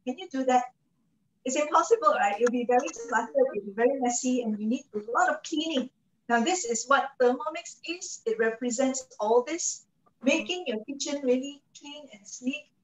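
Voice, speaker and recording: Chatting away on a video call from her home kitchen, a Malaysian woman who hosts a cooking show and advises on products pitches to an online audience in Malaysian English. She persuades with frequent "okay?" and "right?" check-ins, but she's far from the mic in an echoey room and the audio is poor.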